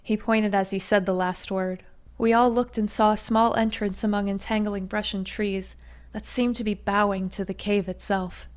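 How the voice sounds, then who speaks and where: A woman narrating a first-person fantasy story in a steady, even storytelling manner. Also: mid-range voice, moderate pace.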